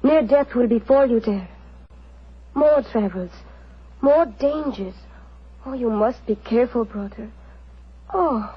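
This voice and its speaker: Young gypsy fortune teller, husky n kinda high, theatrical and solemn, old radio drama. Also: female voice, slow, pauses often, heavily acted. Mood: ominous, solemn. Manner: theatrical, solemn, formal foreign phrasing. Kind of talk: 1940s radio acting. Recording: muffled old radio recording.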